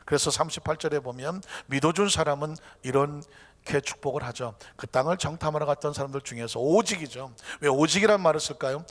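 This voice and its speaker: A man's voice: on the high side, a bit bright. A male pastor preaching a Sunday sermon in an emphatic style, full of rhetorical questions. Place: church sanctuary. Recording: long reverb of a church hall.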